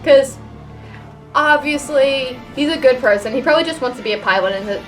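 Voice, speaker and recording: A woman's voice: high-pitched, moderate pace, soft background music, poor audio. A woman giving casual, sarcastic, sweary commentary as host of a reaction video.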